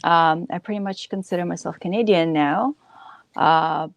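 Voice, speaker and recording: A woman from Ukraine, a guest on a podcast, chatting in a relaxed and wry way. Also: lowish voice, moderate pace, creaky, no echo. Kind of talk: casual interview chat.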